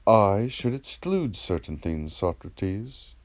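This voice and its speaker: A man's voice: lowish voice, very animated, takes it slowly. A man reading the part of a vain but agreeable reciter of epic poetry in a dramatised dialogue, answering with deference and assurance. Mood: agreeable, self-assured.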